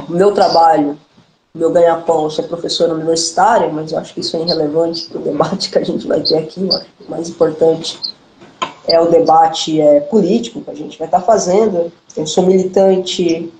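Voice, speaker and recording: A woman from the interior of São Paulo state with a caipira accent, a political activist speaking as a guest in a live stream conversation, outspoken and animated. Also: low-pitched, echoey room, slight background noise, low-quality recording. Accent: São Paulo countryside (caipira) Brazilian Portuguese. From interior of São Paulo state, Brazil. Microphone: live stream call.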